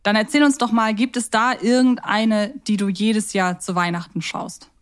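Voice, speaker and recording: A woman's voice: mid-range voice, fairly even intonation, moderate pace. A woman co-hosting a podcast in casual, unscripted and rambling chat. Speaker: podcast co-host.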